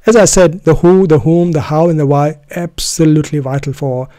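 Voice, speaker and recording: A man whose first language is Urdu gives an earnest, deliberate solo talk about his method of study, often restarting phrases to stress a point. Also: fairly high pitch, mellow, no room sound. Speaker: Quran student presenting his method.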